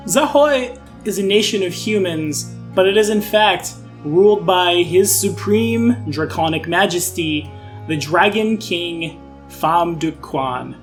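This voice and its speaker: A man's voice: high-pitched, expressive, slow, faint music behind. A young man hosting an online channel, giving a casual overview of tabletop game lore with dry, sarcastic asides. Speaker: YouTube host explaining game lore.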